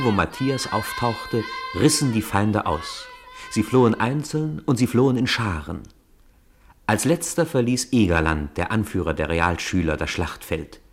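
Low-voiced man narrating a children's radio play. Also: animated, a little slow, a little hiss or hum.

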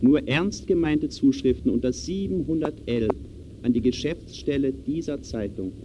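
An actor playing an earnest lonely-hearts advertiser, formally reciting in old radio-play style. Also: male voice, mid-range voice, moderate pace, natural voice. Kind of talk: 1920s German radio play acting. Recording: dull, faintly noisy old radio recording.

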